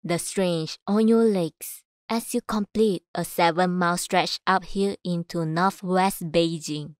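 A woman reading scripted voice-over in a measured, clearly enunciated way. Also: fairly low pitch, fairly even intonation, no room sound, studio quality. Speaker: voice actor. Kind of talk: voice-over demo reading of commercials, narration and announcements.

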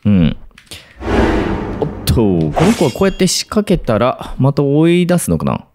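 A man's voice: on the high side, huge pitch swings, normal speed, darkish tone. Jumpy man playing a horror game. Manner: jumpy, talks to himself, sudden yelps and laughs. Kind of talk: let's play commentary.

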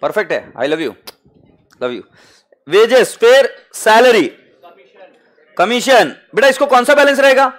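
A man's voice: very high voice, very animated, slow pace, long pauses, a bit bright. A man with an Indian accent teaching accounting to a live class, mixing Hindi and English and calling students "beta" fondly.

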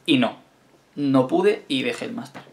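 A man's voice: mid-range voice, animated, unhurried, creaky. A young man in his twenties from Spain, speaking with a Spain Spanish accent, reads out viewers' questions and answers them in a chatty, wry, self-mocking way. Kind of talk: casual Q&A vlog.

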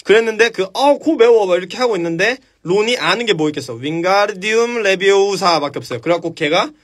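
A man's voice: high-pitched, expressive, quick pace, fairly bright tone. A man on a phone live stream, casually retelling a story with crude slang and acted-out voices. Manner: crude slangy retelling, acts out stuttering and panicky characters.

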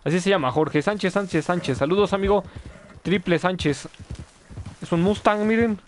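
A man's voice: high-pitched, normal speed, slight background noise. A man commenting live on his gameplay, chatting with viewers and yelping at mishaps. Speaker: gaming streamer.

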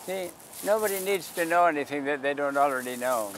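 A man's voice: fairly high pitch, lively intonation, a little fast, slight background noise, rough recording. An older man talks in a slightly raised voice as he explains things to passersby, with dry humor. He is outdoors in a park beside a parking lot, and faint street sounds sit under his voice. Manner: calls out invitations loudly to passersby, dry humor. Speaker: sidewalk astronomer. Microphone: camera mic at a few feet.

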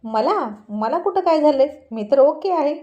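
A woman's voice: sits high, a little slow, lo-fi sound, voice pushed up. Woman voicing dazed lovestruck young Siya. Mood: bewildered. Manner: bewildered, shy and excited.

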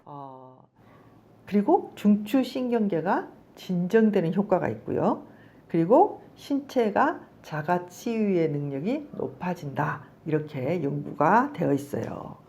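A middle-aged woman, a counseling professor, giving an expressive lecture and explaining patiently with rhetorical questions. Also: lowish voice, takes it slowly. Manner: expressive, acts out little dialogues in different voices. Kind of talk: lecture to camera.

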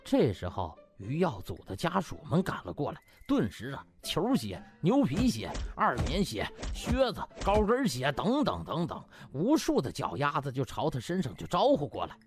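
A man's voice: on the high side, huge pitch swings, moderate pace, hardly any pauses, faint music behind. A man narrating a comic novel as an audiobook, theatrical and colloquial in his delivery. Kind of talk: comic scripted storytelling.

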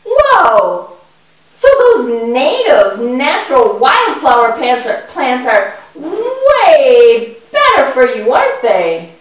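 A woman voicing an excitable, friendly young boy in a children's puppet show, with exaggerated, wide-eyed delivery. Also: sits high, slow pace, heavily acted. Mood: amazed. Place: indoor room with puppet stage. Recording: echoey room, distant microphone.

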